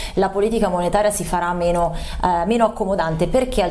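Her pace is fairly quick and her intonation fairly even as the woman speaks. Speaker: news anchor. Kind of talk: news commentary. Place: studio.

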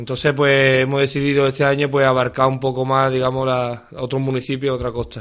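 This man talks at a fairly quick pace in a monotone, flat delivery, with hardly any pauses and a quiet background. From Lebrija, Andalusia, Spain; Andalusia, Spain. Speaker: footballer and youth football school head. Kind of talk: press conference presentation. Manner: halting, many repetitions. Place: meeting room. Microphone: podium.

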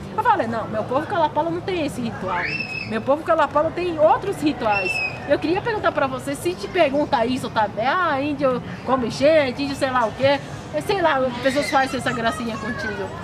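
A woman's high voice with very wide pitch swings, crowd noise in the background. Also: moderate pace. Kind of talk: casual interview. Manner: animated. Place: garden.

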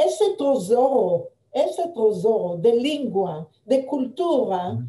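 Pitched high, a woman's voice moves in very wide pitch swings. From Israel, Tel Aviv. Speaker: heritage language activist. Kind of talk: interview. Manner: halting.

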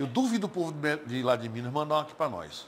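Vocal fry colors the voice, which moves in very wide pitch swings. Light background noise sits underneath. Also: man. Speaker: TV show host. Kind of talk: casual broadcast presenter chat. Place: studio. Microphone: lapel.

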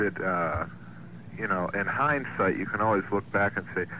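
Against noticeable background noise, a man with a very deep, low pitch and an American accent speaks at a moderate pace. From United States, Terre Haute area. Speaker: radio caller. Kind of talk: phone call to a radio show, casual conversation.

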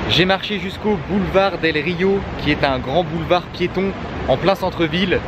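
A man talks at a moderate pace. The sound is dry with no echo, and the background noise is loud. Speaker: travel vlogger. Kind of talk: casual vlog chat.

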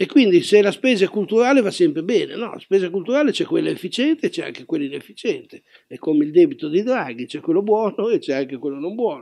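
Against a quiet background, a man speaks at a very fast pace with a high pitch, a dark, mellow tone, very wide pitch swings and big swings in loudness. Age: 70s. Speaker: cultural policy speaker at book fair; speaker. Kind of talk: panel talk; panel discussion talk. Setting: book fair presentation. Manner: halting. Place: hall. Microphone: podium.

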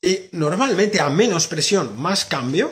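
Pitched high, a man talks with very wide pitch swings. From Spain. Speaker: therapist and course instructor; course instructor. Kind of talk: live-stream lecture. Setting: Instagram live stream. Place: home room. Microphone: phone near.

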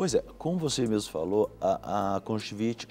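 Light background noise sits behind a man who talks at a moderate pace with a fairly low pitch. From Brazil. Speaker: ophthalmologist; guest. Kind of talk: TV interview, explanatory. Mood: calm, explanatory. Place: studio.

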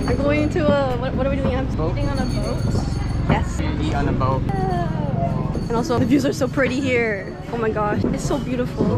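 Someone talks at a fairly quick pace over clear music in the background. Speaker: vlogger. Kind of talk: casual vlog chat. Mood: cheerful, excited. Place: boat. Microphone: phone near.

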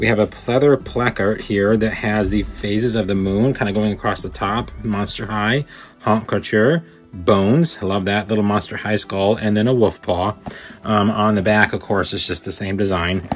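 Over faint music in the background, a man talks at a moderate pace with fairly even intonation. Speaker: doll collector reviewer. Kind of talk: casual unboxing review. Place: home room. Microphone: phone near.

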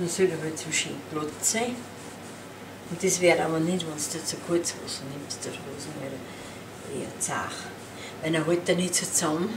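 In a Salzburg accent, a woman speaks at a fairly low pitch with ordinary pitch variation and long, frequent pauses. Noticeable background noise and audible room echo surround her voice. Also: moderate pace. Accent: Pongau Salzburg dialect. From Austria, Salzburg Pongau. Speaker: home cook, grandmother. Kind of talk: cooking tutorial. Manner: casual, dialect-heavy.

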